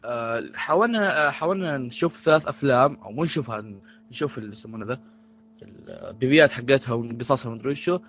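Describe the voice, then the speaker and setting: A man's voice: medium pitch, fast talker, fairly bright tone, muffled recording. A man co-hosting a casual podcast, rambling and restarting his sentences often. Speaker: podcast co-host.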